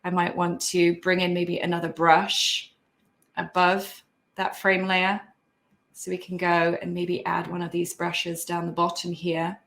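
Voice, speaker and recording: A woman with a fairly low voice talks through a photo art tutorial over a video call. She is chatty and sentimental and sounds slightly hoarse, as if her voice is wearing out. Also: monotone, unhurried, a bit bright. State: losing her voice. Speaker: guest instructor. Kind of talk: software tutorial demonstration. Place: home office.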